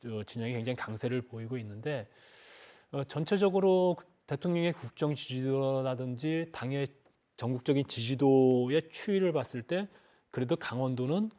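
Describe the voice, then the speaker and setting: A middle-aged man, a former lawmaker, giving political commentary on a TV panel, halting often with "uh" and hedging his points. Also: mid-range voice, dark tone. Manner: halting, with frequent "uh" fillers and measured hedging.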